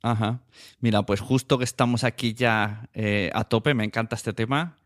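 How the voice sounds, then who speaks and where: A man's voice: fairly low pitch, steady tone, normal speed. A man from hosting a podcast in a casual, conversational way. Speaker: podcast host.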